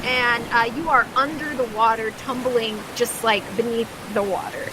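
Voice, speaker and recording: A woman improvises relaxed, conversational narration as a tabletop game master, saying "like" a lot. Her voice sits a little high with a steady tone at a moderate pace, and there's background noise.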